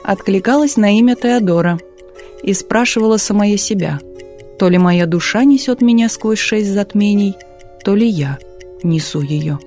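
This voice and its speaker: A woman narrating a literary audiobook in a calm, measured reading style. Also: mid-range voice, soft background music. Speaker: audiobook reader.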